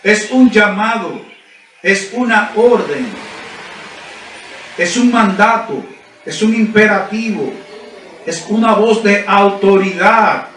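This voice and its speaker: High-voiced preacher in a roomy church. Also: male voice, slow, long pauses, a bit bright, slight background noise. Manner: emphatic, repetitive, rhetorical questions to the congregation. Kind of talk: sermon. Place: church service. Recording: roomy church sound from a distant mic.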